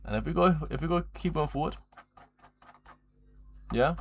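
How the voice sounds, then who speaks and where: A man's voice: on the high side, moderate pace, vocal fry. A twenty-year-old man chatting casually on a livestream in a rambling, slangy, repetitive way, with frequent swearing. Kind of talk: casual livestream chat to viewers.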